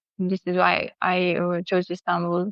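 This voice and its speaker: A woman's voice at a medium pitch. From Romania. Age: 20s. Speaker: exchange student. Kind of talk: interview. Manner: halting.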